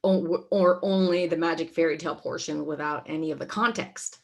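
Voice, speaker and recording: Low-voiced woman in thoughtful discussion. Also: fairly even intonation, brisk, creaky. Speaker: theater performer, panel guest. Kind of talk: thoughtful panel conversation.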